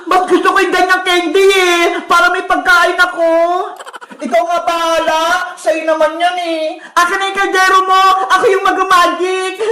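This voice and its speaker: A woman performing a comedy skit, loud and shouty with frequent giggling. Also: very high-pitched, level tone, moderate pace, noisy background.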